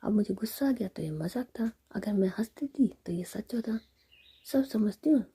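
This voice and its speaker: A woman's voice: medium pitch, lively intonation, moderate pace, warm tone, breathy edge. A woman voicing a young woman in love, teasing and fretful, all in a whisper.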